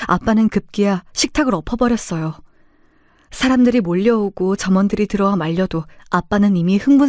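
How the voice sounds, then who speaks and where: A woman narrating a true-life family story in the first person at a steady pace. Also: a little high, no room sound, clean studio sound.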